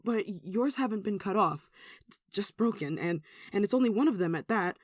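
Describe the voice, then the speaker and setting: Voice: mid-range voice, lively intonation, moderate pace, no room sound, close to an everyday voice. Earnest, anxious villager in a dry, close recording, acted. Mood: worried, caring. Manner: earnest, hesitant, soft sighing delivery. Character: anxious, devout, caring villager nursing an injured demon. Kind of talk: ASMR roleplay audio drama.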